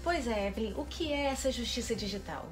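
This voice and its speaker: Brazilian woman interviewer with a highish voice. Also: expressive, brisk, soft background music. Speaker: TV interviewer, host. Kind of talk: conversational interviewing.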